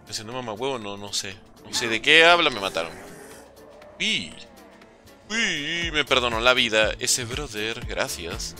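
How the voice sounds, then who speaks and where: A young man streaming a game, chatting casually with viewers and calling out their names in an excitable, slangy way. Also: medium pitch, unhurried, faint music behind. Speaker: gaming livestreamer. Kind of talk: casual livestream chat while playing, reading chat aloud.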